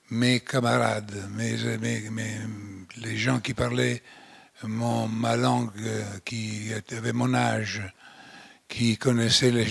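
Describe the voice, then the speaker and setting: With no room sound, a medium-pitched, creaky and slightly rough voice belongs to an older man from Italy. He gives a closing lecture in Italian-accented French, full of fillers and false starts.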